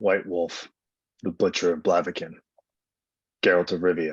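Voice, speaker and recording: A put-on character voice delivers the lines in a monotone with flat intonation. The tone is calm and the pace moderate. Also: man, very deep, low pitch for a man. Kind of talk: dramatic script reading. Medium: stage play. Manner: calm, low, commanding.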